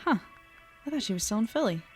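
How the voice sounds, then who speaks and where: A woman's voice: fairly high pitch, expressive, quick pace, soft background music, lightly acted. A woman playing an earnest, anxious small-town newspaper reporter in an audio drama, conversational, musing and unsure of herself. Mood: pensive. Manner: conversational, musing, self-doubting. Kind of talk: naturalistic audio drama podcast acting.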